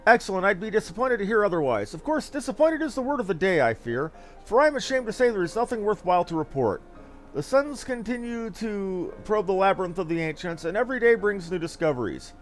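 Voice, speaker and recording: An earnest expedition scholar from a fantasy game, acted out by a man. The voice sits high and moves around a lot, and the phrasing is courtly, wordy and archaic. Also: very animated, fast talker, faint music behind. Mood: courteous, regretful. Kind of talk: fantasy game dialogue read aloud.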